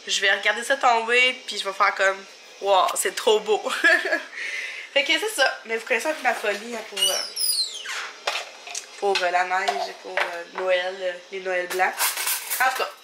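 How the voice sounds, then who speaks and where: A woman's voice: medium pitch, a little slow, long pauses, very noisy. A woman in her thirties with a Québécois French accent, chatting casually in a rambling home vlog, a little sniffly from a stuffy nose. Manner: chatty, rambling, many fillers and little laughs. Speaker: family vlogger. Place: home kitchen, indoors.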